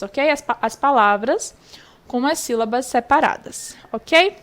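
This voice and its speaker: A young woman with a Brazilian Portuguese accent, teaching an online lesson and patiently going through a worksheet, repeating key points for children. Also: high voice.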